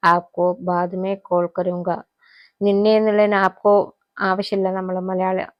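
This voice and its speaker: A woman teaching a spoken Hindi lesson, repeating each phrase slowly and then explaining it. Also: lowish voice, dry recording, highs cut off.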